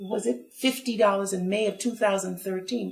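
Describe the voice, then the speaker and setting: With music playing in the background, a woman speaks at a moderate pace and a medium pitch. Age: 60s. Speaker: timeshare owner telling a complaint. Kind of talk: testimony.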